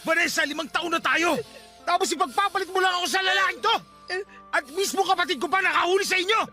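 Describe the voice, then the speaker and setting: A man playing a furious, betrayed fiancé in a Tagalog radio drama, shouting accusations. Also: very high voice, fast, heavily acted. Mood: enraged. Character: furious betrayed fiancé confronting his cheating girlfriend. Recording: dramatic music underneath.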